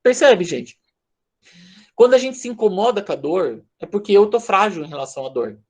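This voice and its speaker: A man's voice: high-pitched, very animated, moderate pace, a little mellow, breathy edge. A man with a Brazilian accent giving an informal lecture over a video call, speaking conversationally and addressing his audience directly.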